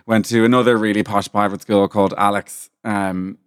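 A man with a posh Dublin accent, a podcast guest chatting casually in a camp, animated way. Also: fairly low pitch, normal speed, clean tone, dry recording, clean studio sound. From Ireland. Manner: camp, animated, swears freely. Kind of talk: casual chat.

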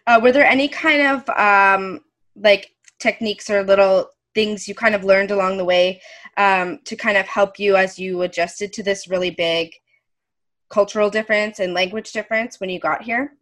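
Woman interview host, mid-pitched, friendly and curious, casual. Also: steady tone, moderate pace, a bit bright.

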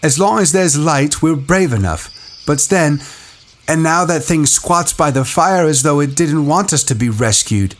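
A man's voice: a little high, a little slow, a little hiss or hum, pitched above the performer's own voice, close to an everyday voice. A man voicing a young boy leader in an audiobook, talking in clipped, bitter bursts. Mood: troubled.

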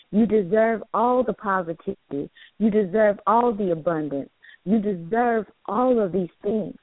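A woman's voice: on the low side, no echo. A woman co-hosting a motivational call-in show, preachy and encouraging, repeating phrases and filling with "you know". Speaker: co-host. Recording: dry tinny phone line.

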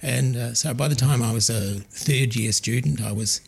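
An older man, an archaeologist, answering interview questions in a measured, thoughtful way. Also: mid-range voice, vocal fry, breathy edge. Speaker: archaeologist guest. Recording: faint background noise.

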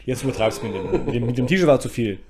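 A man's voice: medium pitch, animated, quick pace, crowd noise. Blunt, slangy young man chatting. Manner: slangy, blunt street talk. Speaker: podcast co-host. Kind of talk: casual chat.

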